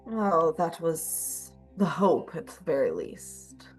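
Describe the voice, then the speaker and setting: A composed scholarly man, voiced by a woman in a tabletop game, speaking softly and with care. His voice sits low and moves slowly. A faint bed of music plays underneath. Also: big pitch swings, exaggerated voice. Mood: measured.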